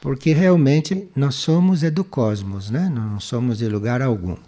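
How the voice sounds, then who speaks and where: A man with a Brazilian accent speaks as a spiritual teacher, answering questions in a measured, didactic, explanatory manner. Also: medium pitch, dark tone.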